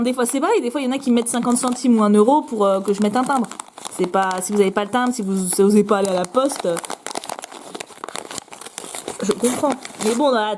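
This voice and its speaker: A young woman chatting excitedly as she opens fan mail at home, with many fillers. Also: a little high. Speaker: vlogger opening fan mail. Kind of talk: casual unboxing chat.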